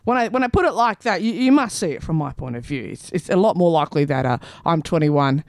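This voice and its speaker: A woman's voice: lowish voice, expressive, fast, a little mellow, dry recording. Aussie lady radio host in her 30s, joking around, voice bouncing all over, dry studio sound. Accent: Australian. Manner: playful, self-mocking, laughs often. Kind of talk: community radio chat and weather read. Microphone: studio microphone.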